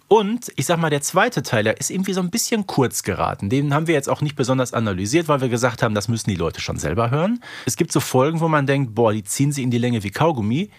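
Male podcast co-host, higher-medium everyday voice not required; conversational, colloquial reviewer, dry close-mic sound. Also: dry recording. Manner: colloquial, often ends phrases with tag questions. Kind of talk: casual review chat.

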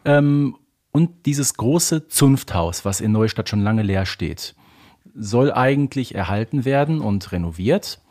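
Husky man co-hosting a podcast. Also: mid-range voice, expressive, slow pace, mellow. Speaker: podcast co-host. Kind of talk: conversational podcast discussion.

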